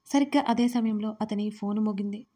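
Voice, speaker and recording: A woman tells a serialized romance story in a steady, scripted narration. Her voice is mellow and soft-edged, sitting at an ordinary middle pitch for a woman. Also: fairly quick. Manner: reads every part herself, louder and higher in the characters' lines.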